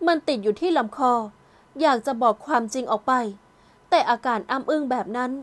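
A woman narrating an audio novel in a calm, gentle storytelling voice. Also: sits high, a little fast. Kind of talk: scripted narration.

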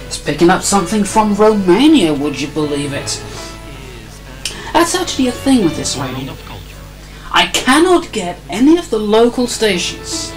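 A hobbyist radio tinkerer works at an indoor workbench, offering casual, wry commentary with apologetic asides. Her mid-range voice is sing-song at a moderate pace, with soft music behind her. The low-quality recording comes from a desk microphone near an amplifier.

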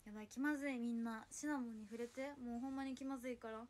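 A young woman, talking on her own livestream. Her voice sits high, and her chat is quick and flustered as she answers viewers one by one. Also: steady tone. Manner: chatty, flustered, reads and answers viewer comments. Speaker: idol livestreamer. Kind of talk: casual solo livestream chat.

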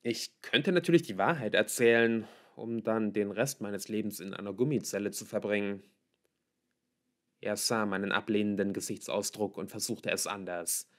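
A man's voice: fairly low pitch, moderate pace. A man reading a novel aloud as scripted audiobook narration. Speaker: audiobook reader.

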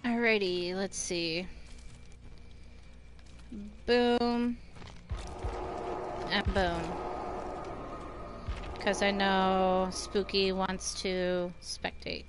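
A woman's voice: medium pitch, fairly even intonation, extremely slow, pauses often, noisy background. A woman live-streaming a game, chatting easily with viewers and thanking them by name. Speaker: livestream gamer. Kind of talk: casual live-stream chat.

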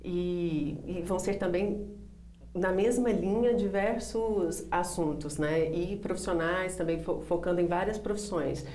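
A woman in her thirties from Brazil with a lowish, mellow voice, answering as a guest in a TV studio interview. She speaks haltingly, repeating words as she lists things. The room sounds roomy, with a faint hum underneath. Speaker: project coordinator, guest. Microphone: lapel mic.

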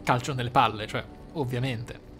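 A gaming channel host reads game lore aloud with expression, adding off-the-cuff musings in asides while game music plays behind him. His voice is mid-range and fairly bright, with fairly even intonation and a moderate pace.

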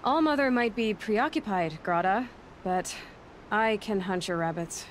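A woman's voice: medium pitch, takes it slowly, slight background noise, natural voice. An actress as a young hunter girl. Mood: kind. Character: young woman hunter, caring and direct. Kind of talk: game cutscene dialogue.

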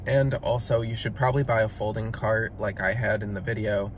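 A man's voice: on the low side, level tone, brisk, slight background noise. A man narrating a voice-over review of a delivery gig, explaining things step by step in a matter-of-fact way. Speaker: delivery driver vlogger.

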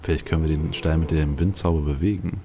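A man's voice: very deep voice, steady tone, fast. A man giving casual gameplay commentary, musing aloud to himself as he plays. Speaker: let's play host.

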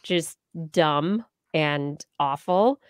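A woman's voice: deep voice, very slow, smooth, no room sound. A middle-aged American woman hosting a casual livestream chat, playful and rambling, talking close into a large microphone. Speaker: podcast host. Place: indoors on a video call. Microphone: large microphone on a boom arm, close up.

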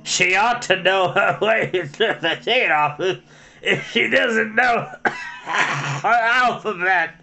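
A woman putting on a loud, bossy male goat from a storybook, pitched up and slow. He speaks bluntly, as if lecturing. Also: lively intonation, full character voice.

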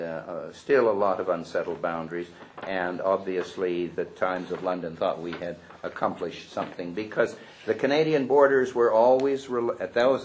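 A man's voice: low voice, darkish tone, slight background noise. A man at a panel talking through an old newspaper spread, with dry, wry asides and a few hesitant restarts. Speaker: panel speaker. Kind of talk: commenting on a historical newspaper spread.

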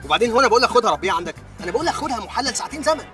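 An actor with an Egyptian accent playing an impulsive husband in a comedy film, swinging from shouting to muttering. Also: male voice, extremely high pitch, sing-song, very fast, music in the background.

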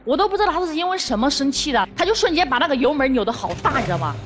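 A woman's voice: sits high, very animated, background noise. A young woman guest on a dating-conflict TV show, complaining indignantly about her partner and cutting in on him. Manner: fast, indignant, cuts in. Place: TV studio stage.

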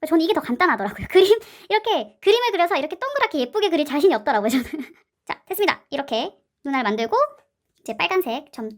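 Narrating a casual craft tutorial, a slime and clay channel host talks fast in a high, sing-song voice. Cute sound words and playful chatter accompany her work.

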